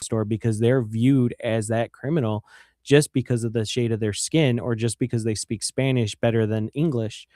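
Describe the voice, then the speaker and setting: A man's voice: mid-range voice, a little mellow, no echo, clean studio sound. A man with a Michigan accent, a guest on a radio interview, talking earnestly and repeating words when he stresses a point.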